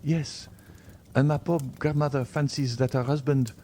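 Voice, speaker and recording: A man's voice: mid-range voice, steady tone, moderate pace, dark tone, slight background noise, voice pushed up, natural voice. A man voicing an anxious, tender young woman in an audiobook.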